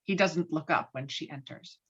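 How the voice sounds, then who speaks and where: A woman's voice: deep voice, moderate pace, fairly bright tone, breathy edge. A woman reading stage directions as scripted narration, heard through muffled call audio.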